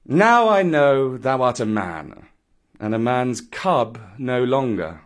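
A wise, fatherly panther from a storybook, as a male reader plays him. He speaks slowly and calmly, in archaic phrases, with the measured, consoling manner of a trusted friend. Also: medium pitch. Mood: gentle, consoling. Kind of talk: storybook reading.

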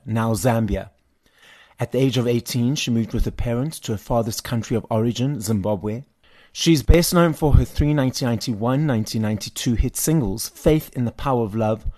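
A man's voice: mid-range voice, warm tone. A man hosting an entertainment interview show, reading a scripted intro and asking questions in an upbeat presenter manner. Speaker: interview host.

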